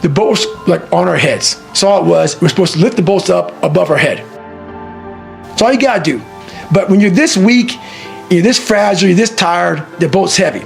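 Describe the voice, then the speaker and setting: A man telling a profane, forceful motivational story in an intense talk, with faint music behind him. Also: high voice, expressive, moderate pace, gravelly. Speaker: motivational speaker.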